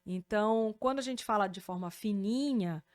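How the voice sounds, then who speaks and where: A woman with a Brazilian Portuguese accent, a speech therapist hosting a podcast, explaining in a didactic, animated way and often checking in with her listener. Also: medium pitch, normal speed, no echo, clean studio sound.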